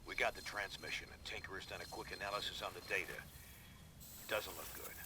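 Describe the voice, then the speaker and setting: Man playing low-voiced, no-nonsense operative. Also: fairly quick, lightly acted. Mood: tough, practical. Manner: casual, no-nonsense. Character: blunt, practical male covert operative. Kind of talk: video game cutscene acting. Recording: clear noise behind the voice.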